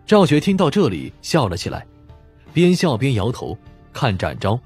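Audiobook narrator, male, dramatic scripted delivery, breathy edge, widely moving pitch. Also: huge pitch swings, moderate pace, darkish tone, soft background music.

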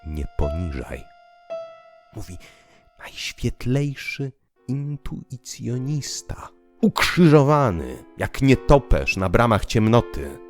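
A man narrating literary prose in a theatrical, declamatory way, moving between hushed and emphatic delivery. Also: medium pitch, big pitch swings, takes it slowly. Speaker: audiobook narrator. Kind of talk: dramatic literary narration with piano music. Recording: piano music behind the voice. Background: piano music.

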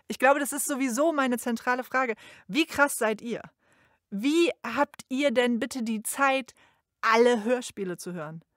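A woman's voice: fairly high pitch, fairly bright tone, dry recording, studio quality. A woman recording an informal congratulatory voice message in a chatty, emphatic way. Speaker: guest sending a recorded greeting.

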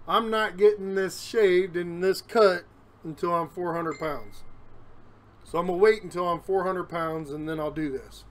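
Guy talking to his phone cam at home, kinda high voice, rambly and candid, bit out of breath. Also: fairly bright tone. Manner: rambling, candid, self-deprecating. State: a little out of breath. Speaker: vlogger. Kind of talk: casual solo vlog. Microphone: phone camera, recording himself.

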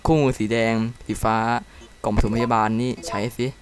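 Excitable man doing game commentary. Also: medium pitch, normal speed. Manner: excitable, reads on-screen dialogue aloud; chatty, explains controls to viewers. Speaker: game let's-play commentator. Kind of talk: casual gameplay commentary.

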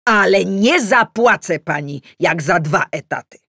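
Exasperated male editor-in-chief, played by a female narrator, audiobook. Emphatic, self-pitying rants, very animated pitch, dry sound. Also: unhurried, no echo, heavily acted. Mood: exasperated, stern. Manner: emphatic, ranting in numbered points. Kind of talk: audiobook character acting.

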